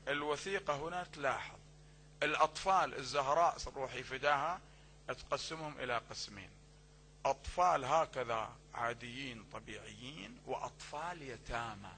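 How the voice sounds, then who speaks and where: A man preaching a sermon with emphatic bursts that drop to low asides, addressing listeners fondly and acting out quoted dialogue. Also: pushed and bright, breathy edge.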